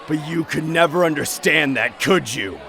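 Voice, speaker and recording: A man's voice: a little high, animated, moderate pace, vocal fry, pushed and bright, pitched above the performer's own voice, heavily acted. A man playing a bitter, wronged villain with dramatic emotion in an action cartoon style. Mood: bitter, furious.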